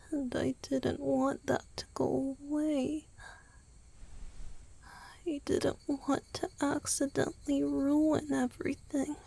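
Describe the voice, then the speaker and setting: Woman as a breathy, whispering vampire boyfriend. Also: a little high, warm tone, full character voice. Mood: tender, wistful. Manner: slow, halting, intimate confiding. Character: tender, guilt-ridden young male vampire boyfriend. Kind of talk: romantic ASMR roleplay.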